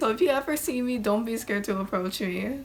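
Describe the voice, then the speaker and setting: Amid noticeable background noise, a woman with a fairly high voice talks at a moderate pace with lively intonation. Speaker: beauty and lifestyle YouTuber. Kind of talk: casual vlog talk. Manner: pausing, halting.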